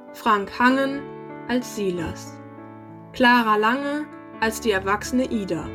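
A woman's voice: a little high, a bit bright. A woman announcer reading scripted closing credits for an audio drama. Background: music with piano.

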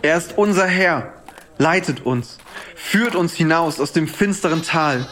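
A man's voice: a little high, measured pace, fairly bright tone. An actor playing a fervent teenage boy preacher in a medieval radio play, solemnly proclaiming his visions. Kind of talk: declamatory sermon in a German radio play.

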